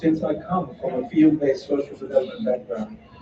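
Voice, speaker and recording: Speaking at a fairly quick pace with music in the background, a man uses a fairly high pitch and lively intonation with a slight Australian accent. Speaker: development practitioner, conference speaker. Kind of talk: conference keynote speech. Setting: conference podium with audience.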